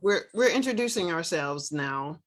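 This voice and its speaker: A woman's voice: lowish voice, animated, moderate pace. A woman casually moderating an online English class as its teacher, encouraging people briefly as they speak.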